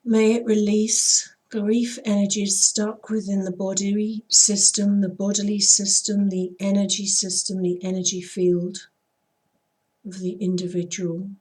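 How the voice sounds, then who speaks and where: Hoarse husky woman, throaty, talks real slow and even, barely moves in pitch. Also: poor audio. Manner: soft, unhurried, intoning. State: hoarse after illness. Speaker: spiritual healer. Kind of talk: slow chanted healing invocation; casual chat to viewers.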